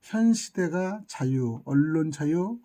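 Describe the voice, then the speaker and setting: A YouTube channel commentator launches into an impassioned monologue, scolding, lamenting and hurling insults amid rhetorical questions. His voice is fairly high, expressive, slow and dark, and his manner is indignant.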